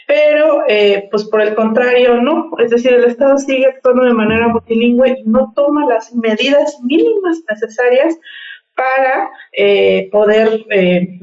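A woman, a linguist from Mexico, explaining things in a measured way as a radio guest on the phone. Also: on the high side, darkish tone. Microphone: phone line. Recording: distant, roomy, muffled phone line.

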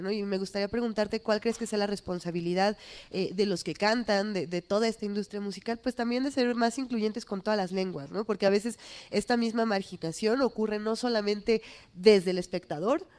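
A woman hosting a live interview, talking in a lively, enthusiastic way. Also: mid-range voice, clean tone. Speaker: host.

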